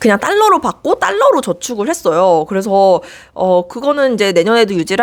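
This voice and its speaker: A woman's medium-pitched, lively voice at a fairly quick pace, a plain, everyday voice. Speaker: YouTuber. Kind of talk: casual vlog talk. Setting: talking to camera.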